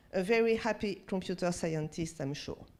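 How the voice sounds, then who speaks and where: A woman with a French accent speaks with very wide pitch swings. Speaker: sociologist and researcher. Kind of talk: lecture. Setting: conference talk, livestreamed.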